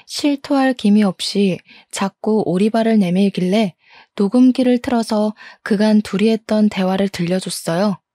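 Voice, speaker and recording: A woman's voice: mid-range voice, moderate pace, warm tone, no echo. A woman narrating a personal story in the first person, in a confiding, matter-of-fact way.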